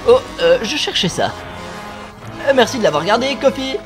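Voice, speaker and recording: A man's voice: extremely high pitch, sing-song, normal speed, loud music behind the voice. Man voicing a smug, swooping cartoon rabbit. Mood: flippant. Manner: sly, mocking, nonchalant. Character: smug, teasing male cartoon rabbit prankster. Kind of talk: animated cartoon fan dub acting.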